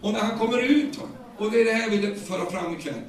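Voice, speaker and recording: Recorded from afar in a loud, reverberant room, a Swedish-accented male preacher delivers a sermon in a slightly high voice. His retelling of scripture is lively and colloquial, though he stumbles over repeated words as he speaks.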